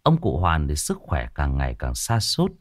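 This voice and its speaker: A man's voice: very deep voice, huge pitch swings, moderate pace, dry recording, clean studio sound. A man narrating a ghost story with a dramatic storytelling delivery.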